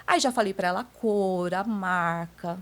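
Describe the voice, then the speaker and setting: A woman's voice: mid-range voice, a little slow. A woman giving a casual spoken testimony to a pastor, telling her story and often tagging sentences with "né?". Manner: keeps addressing the listener as pastor. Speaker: church member giving a testimony.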